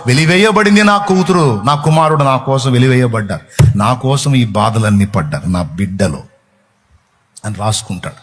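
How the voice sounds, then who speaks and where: Impassioned male preacher, high-pitched. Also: a bit bright. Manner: impassioned preaching with rhetorical questions. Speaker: pastor. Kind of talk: sermon.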